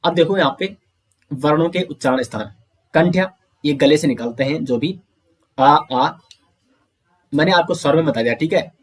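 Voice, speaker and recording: Guy teaching grammar online, fairly high voice, asks then answers himself, drills sounds out slow. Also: slightly rough. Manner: explains step by step, asks questions and answers them himself; says sounds out slowly for pronunciation drills.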